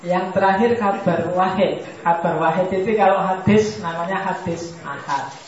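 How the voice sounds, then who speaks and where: A man giving a relaxed religious study lecture in a mosque hall, joking and putting questions to his audience. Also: sits high, normal speed. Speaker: philosophy lecturer. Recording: echoey hall, distant mic, muffled.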